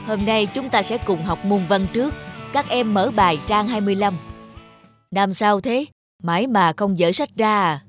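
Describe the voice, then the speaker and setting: A man's voice: high voice, normal speed, music in the background, lightly acted. A man voicing a strict but caring middle-aged schoolteacher in a children's cartoon, firm and instructive. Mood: stern.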